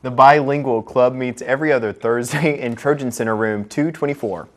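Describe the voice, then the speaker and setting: A man's voice: medium pitch, brisk. A young man anchoring a student newscast, reading scripted stories with occasional slips and restarts. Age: young adult. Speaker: news anchor.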